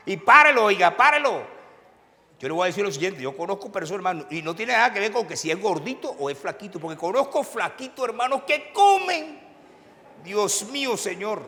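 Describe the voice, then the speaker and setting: High, lively preacher man. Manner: animated preaching with call-and-response questions; chuckles while preaching. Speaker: pastor. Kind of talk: sermon. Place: church sanctuary. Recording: reverberant church hall.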